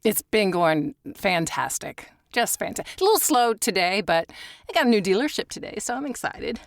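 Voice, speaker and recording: A woman's voice: medium pitch, big pitch swings, normal speed, creaky, no room sound, clean studio sound. A woman chatting casually as a podcast co-host.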